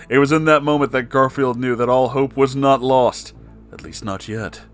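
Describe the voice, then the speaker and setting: A man's voice: medium pitch, fairly even intonation, moderate pace, soft background music. A man narrating a comic fan story in a theatrical, mock-serious dramatic reading. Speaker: story reader.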